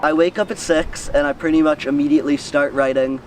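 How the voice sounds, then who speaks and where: A man's voice: a little high, steady tone, a little fast, distant mic, slight background noise, poor audio. A teenage young man with an American accent answers interview questions casually and earnestly, thinking aloud and repeating words as he goes. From United States, Missouri. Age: teenager, high school student. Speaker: student newsletter writer, interviewee.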